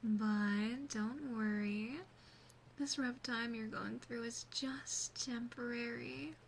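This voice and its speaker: A woman voicing an obsessive, doting demon sister in an ASMR roleplay, speaking softly and close with breathy whispering. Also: a little high, fairly even intonation, takes it slowly, slight background noise. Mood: gently reassuring. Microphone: close binaural microphone.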